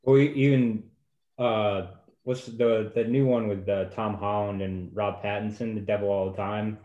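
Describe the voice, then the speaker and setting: A man's voice: lowish voice, fairly even intonation, normal speed, mellow. A man chatting casually on a group call, hesitantly searching for his words. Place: echoey room, on a group call. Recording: echoey, dull call audio.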